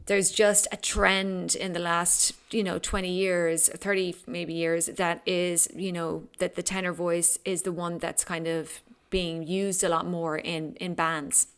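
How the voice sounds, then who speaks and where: Female podcast host; smooth, low-ish voice, thoughtful interviewer who explains things. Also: level tone, measured pace, hardly any pauses. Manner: thoughtful, explanatory, with brief laughs. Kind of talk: interviewing a guest.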